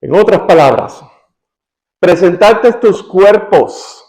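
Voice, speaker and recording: High-voiced Cuban pastor preaching. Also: male voice, expressive, slow, low-quality recording. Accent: Cuban Spanish. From Cuba. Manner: rising to emphatic, louder questions. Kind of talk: sermon.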